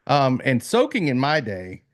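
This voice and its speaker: A man's voice: mid-range voice, huge pitch swings, measured pace. A man co-hosting a podcast, joking loosely in crude casual banter with lots of fillers. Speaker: podcast co-host.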